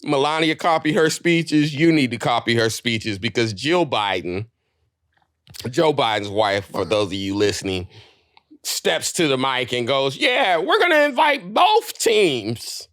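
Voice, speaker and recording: A man co-hosting a podcast in casual chat, telling stories with profanity and quick voiced asides. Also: medium pitch, fairly bright tone, smooth, no echo, clean studio sound. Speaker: podcast co-host.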